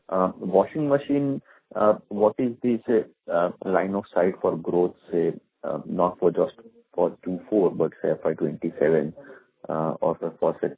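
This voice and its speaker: Low-voiced analyst on a phone line. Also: male voice. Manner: halting, many fillers. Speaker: analyst asking questions. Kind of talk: earnings call question. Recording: husky tinny phone line.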